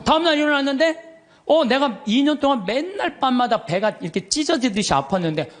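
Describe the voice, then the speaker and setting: A middle-aged man, a Catholic priest, telling stories in a lively sermon, acting out the voices of others and laughing as he goes. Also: very high-pitched, brisk. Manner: animated, acts out quoted voices, laughs often.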